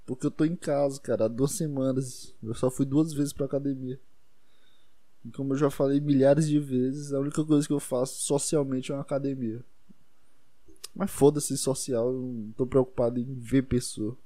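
Mellow-voiced Brazilian man rambling casually. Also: medium pitch, moderate pace, no echo. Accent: Brazilian Portuguese. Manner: animated, swearing, self-deprecating storytelling.

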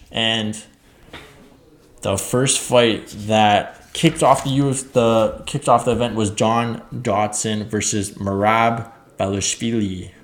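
Rambling young man in an echoey room. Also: fairly low pitch. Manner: excitable, rambling, swears casually. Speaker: podcast host. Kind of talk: casual fight recap.

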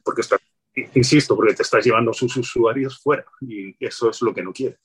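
A man speaking as an interview guest, explaining marketing tips in a relaxed, advice-giving way, often restarting his phrases. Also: medium pitch, a little fast, breathy edge, poor audio. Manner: explanatory, many restarts and "pues". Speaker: guest, LinkedIn sales consultant.

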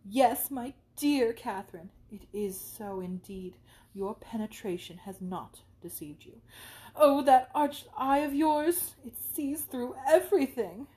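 A woman's voice: high voice, takes it slowly, hardly any pauses, warm tone, pitched above the performer's own voice, poor audio. A woman reading aloud and voicing a gushing, theatrical young woman who swoons and drops into whispers.

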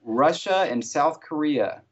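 A man as an interview guest, talking in a relaxed, chatty way with wry jokes. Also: a little high, takes it slowly, a crowd in the background. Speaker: interview guest, language creator. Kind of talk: casual interview conversation. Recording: slightly dull lo-fi audio.

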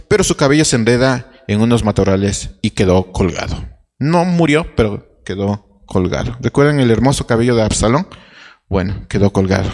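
A man's voice: mid-range voice, darkish tone, big-room sound. A man preaching a sermon, telling a Bible story with restarts and rhetorical questions.

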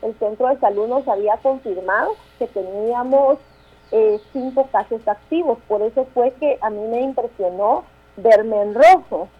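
A Guatemalan woman in her thirties, a town mayor speaking as a radio interview guest, halting with restarts and tag questions. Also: fairly high pitch, slightly rough, phone-quality sound. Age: 30s.

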